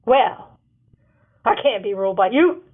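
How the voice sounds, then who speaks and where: A woman's voice: mid-range voice, lively intonation, unhurried. A woman voicing a brash, teasing companion in a fantasy story, with a blunt and mocking way of talking. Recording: narrow phone-like sound.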